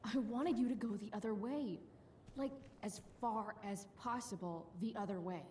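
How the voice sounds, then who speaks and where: A woman's voice: medium pitch, unhurried, darkish tone, lightly acted. An actress playing a rebellious, scheming teenage girl in a video game, with dry, wry asides to herself. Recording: game audio with faint background noise.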